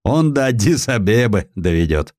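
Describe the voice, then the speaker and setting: A man's voice: on the low side, sing-song, normal speed, darkish tone, no echo, studio quality. A man voicing hardy, carefree Cossacks in an audiobook, talking in a folksy, breezy way. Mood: breezy, undaunted. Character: hardy, carefree Cossack men setting out undaunted. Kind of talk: character voice in audiobook narration.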